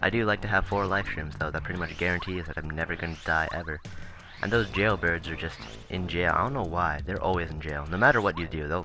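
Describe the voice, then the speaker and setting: A man with a very deep, low voice talks at a very fast pace, his pitch moving in an ordinary way over noticeable background noise. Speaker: gaming video creator. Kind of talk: let's play commentary. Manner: rambling, casual.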